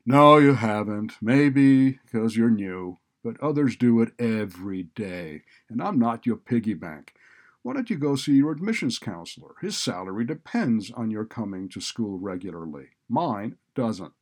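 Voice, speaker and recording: A man voicing a callous, sarcastic male college dean in a story, loud and exasperated. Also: lowish voice, expressive, a little slow. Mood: sarcastic, angry. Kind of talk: audiobook character dialogue.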